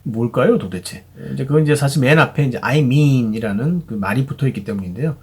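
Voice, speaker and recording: A man's voice: mid-range voice, fairly quick, darkish tone, husky. A man teaching English pronunciation in a patient, chatty video lesson, often checking in with the viewer. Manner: patient, chatty, frequent fillers and "그죠?" check-ins.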